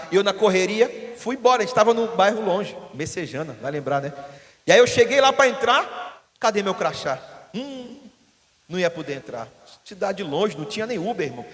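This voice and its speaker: Here the pastor's voice is high and a bit bright. He delivers his sermon in a church hall through storytelling, acting out the voices of the people he describes, and the sound echoes with a long hall reverb.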